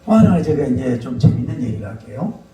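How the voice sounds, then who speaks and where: A male pastor preaching a sermon in an animated, storytelling manner in a church hall. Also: medium pitch, a little fast, soft background music. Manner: animated, shouts mock slogans, storytelling. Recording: echoey hall, distant mic, faint noise.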